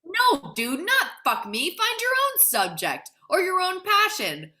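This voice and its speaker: A woman's voice: extremely high pitch, huge pitch swings, unhurried, sharp tone, full character voice. A woman playing an indignant, proud young male grad student with cutting sarcasm in a dramatic table read. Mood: scornful, angry.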